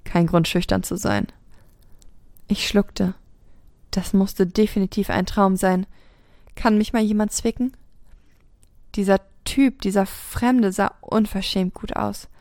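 Woman reading a spicy story out loud, bit of vocal fry, dry close sound. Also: mid-range voice, takes it slowly, dry recording. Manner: steady first-person reading. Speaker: podcast host reading a story. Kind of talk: reading an erotic story aloud.

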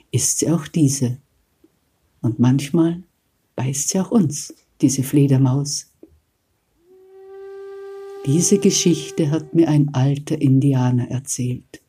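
A woman tells a fairy tale slowly and deliberately, as a storyteller. Her voice is very low and deeply mellow, with an unhurried pace. Soft music plays faintly underneath. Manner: slow, deliberate, soft-spoken narration.

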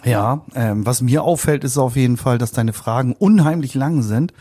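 Mellow-voiced man around fifty, chatting casually. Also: medium pitch, normal speed. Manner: rambling, colloquial, repeats words. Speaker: interviewee. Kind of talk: casual conversational recollection.

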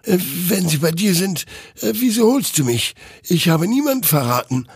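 A man's voice: mid-range voice, slow, vocal fry, husky, no room sound, clean studio sound, pitched above the performer's own voice, exaggerated voice. A man voicing a frightened, desperate young soldier who talks in a strained, pleading, stammering way. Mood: frantic.

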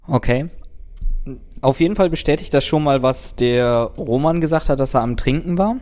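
A man's voice: medium pitch, a little mellow. Joking man puzzling out a mystery. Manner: thinks aloud, joking. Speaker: player. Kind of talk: casual podcast chat.

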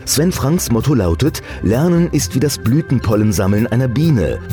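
A man's voice: mid-range voice, very animated, normal speed. A man reading a scripted podcast introduction in a formal announcing style. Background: music.

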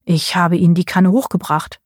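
A woman's voice: on the low side, steady tone, normal speed, no echo, natural voice. Woman voicing a surly innkeeper, audiobook, short grumbled lines, dry recording. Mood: gruff. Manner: curt, grumbling. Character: gruff grumbling male innkeeper.

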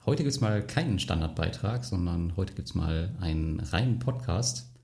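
A man's voice: low voice, animated, moderate pace, a little mellow. A man hosting a podcast, talking in an easygoing, casual way. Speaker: podcast host. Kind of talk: casual conversation.

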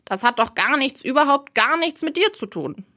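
A provocative male bird in a storybook reading, as a woman voices him. The voice sits a little high and keeps challenging and teasing. It lectures bluntly and never lets up. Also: lively intonation, moderate pace, sharp tone. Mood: lecturing. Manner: challenging, questioning. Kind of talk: audiobook role reading.

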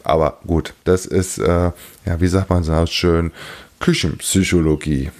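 A man's voice: low-pitched, fairly even intonation, measured pace, darkish tone. A man hosting a podcast, talking casually on his own and thinking aloud a little hesitantly. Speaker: podcast host. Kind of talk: casual solo podcast talk.

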